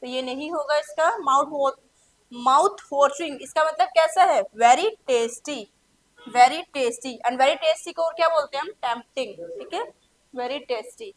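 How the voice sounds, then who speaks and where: An Indian woman teaching English for an exam, who switches between Hindi and English, reads example sentences slowly, and asks the class questions that she then answers herself. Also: high voice. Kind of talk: exam-prep lesson.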